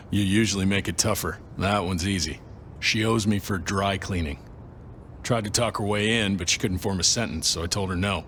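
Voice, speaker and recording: A man a wry, easygoing club bouncer from a noir game. His voice is fairly low and plainspoken, with a faint rumble of noise behind it. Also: moderate pace, fairly bright tone. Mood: amused, casual. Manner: casual, plainspoken. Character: amiable, wry male nightclub bouncer. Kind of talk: noir video game dialogue.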